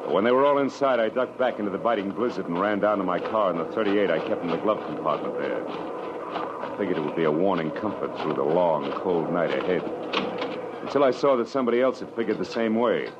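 A low-voiced, hard-boiled American private eye in a vintage radio drama. He is wry and terse, narrating and talking in slangy, tough phrases. The old recording is noisy and muffled. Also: lively intonation, fairly quick. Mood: grim, wry. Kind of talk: 1940s radio drama acting, first-person narration.

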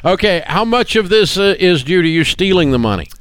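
A man's voice: high voice, expressive, fairly quick, a bit bright, clear, resonant tone, no room sound. An older man hosting a call-in money show, teasing and heaping praise on guests in playful studio banter. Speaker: radio show host. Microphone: studio microphone.

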